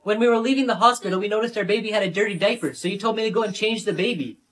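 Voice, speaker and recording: A man's voice: high voice, very fast, a bit bright. A young man playing parents in a short comedy skit, delivering a paternity test reveal in a grave, dramatic way. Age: young adult.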